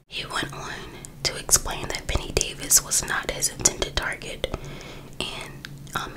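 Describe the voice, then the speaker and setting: Whispering woman reading aloud. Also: rough recording. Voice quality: unvoiced, breathy whisper. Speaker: ASMR host reading a true crime book. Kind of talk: whispered ASMR read-aloud with casual asides.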